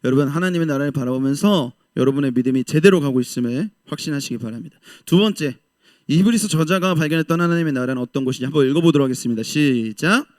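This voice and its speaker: A man preaching a passionate sermon to young adults, switching between loud calls and soft asides and acting out the quoted voices. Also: a little high, quick pace, dry recording, studio quality. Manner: voices the doubters and God's reply in lively quoted speech. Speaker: pastor.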